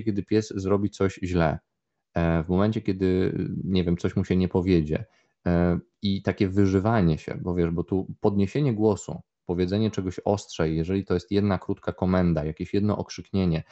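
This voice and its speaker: A man's voice: low-pitched, warm tone, highs cut off. A man, a dog trainer, explaining at length in a podcast conversation, with many fillers and restarts.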